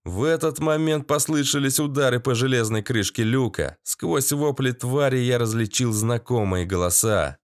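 A man narrating a post-apocalyptic audiobook in the first person, with an expressive, dramatic reading. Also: mid-range voice, normal speed, few pauses, no room sound, clean studio sound.

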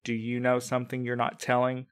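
A man's voice: mid-range voice, completely flat delivery, brisk, clean tone, dry recording, studio quality, lightly acted. A man playing a grieving young courier who is bitter and accusing, with clipped lines.

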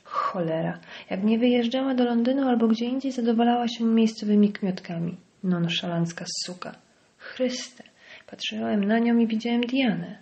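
A woman's voice: medium pitch, darkish tone, lo-fi sound, lightly acted. A woman voicing a bitter, venomous middle-aged male village doctor in an audiobook, sneering and dropping into hissed whispers. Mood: spiteful. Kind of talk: audiobook character voice.

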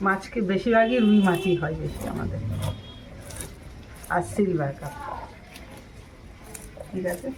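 A woman's voice: on the low side, expressive, a little slow, long pauses. A middle-aged woman chatting casually to viewers, repeating herself as she explains her cooking. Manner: repetitive, explaining each step to viewers. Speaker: home cooking vlogger. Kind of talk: casual vlog chat. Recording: noisy home recording with ambience.

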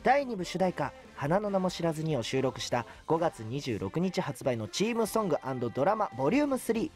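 A young male stage-troupe character, put on by a man, reads an announcement. The delivery is lifted and animated, like a scripted promo, over faint music. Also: fairly high pitch, fairly quick. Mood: upbeat announcing.

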